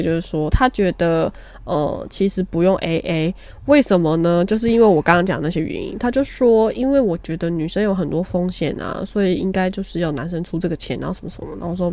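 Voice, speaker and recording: A young woman with a Taiwanese Mandarin accent, a podcast co-host telling a frank dating story in casual, animated chat. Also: fairly low pitch, fast.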